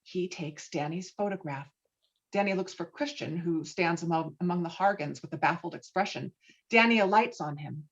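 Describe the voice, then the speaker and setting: A woman's voice: lowish voice, moderate pace. Woman narrating a script, slightly dull sound. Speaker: narrator reading stage directions. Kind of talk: scripted narration at a virtual table read. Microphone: online call microphone.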